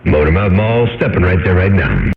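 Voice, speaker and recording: A man's voice: low-pitched, expressive, normal speed, vocal fry. A man chatting casually over CB radio, drawling in trucker-style lingo with handles and codes. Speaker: CB radio operator. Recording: echoey dull CB radio transmission.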